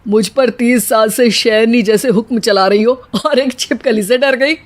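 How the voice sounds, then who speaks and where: A woman's voice: on the high side, normal speed, close to an everyday voice. A woman voicing a joking middle-aged father-in-law in a cartoon story, mocking his wife.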